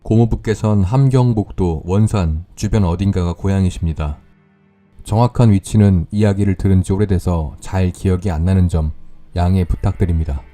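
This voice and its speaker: A man calmly narrating scripted horror stories in a measured, storytelling way. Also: low voice, faint music behind.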